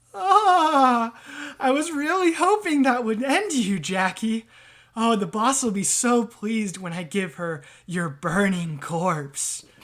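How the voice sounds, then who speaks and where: A put-on character voice, female-sounding and fairly high in pitch, with very wide pitch swings at a fairly slow pace. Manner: menacing, gloating.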